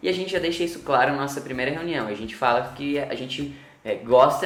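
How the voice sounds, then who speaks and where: A man talks at a very fast pace with fairly even intonation, over noticeable background noise and audible room echo. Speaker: wedding photographer. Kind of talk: live stream talk. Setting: Instagram live.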